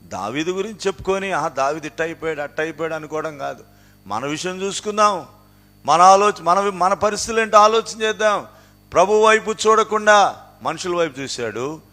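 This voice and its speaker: A man with a Telugu accent preaches with fervor, his voice sitting a bit high. He drops to soft, low stretches and then surges into loud, emphatic runs. He keeps repeating his rhetorical questions to drive each point home. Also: animated, brisk. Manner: swings between low quiet passages and raised emphatic outbursts. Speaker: pastor. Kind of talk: sermon.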